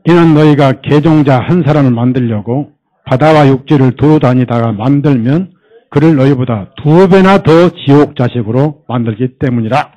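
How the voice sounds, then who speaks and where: A man's voice: medium pitch, moderate pace, warm tone, low-quality recording. A male pastor preaching at a church service, quizzing the congregation with rhetorical questions and mimicking people to make his points. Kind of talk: sermon.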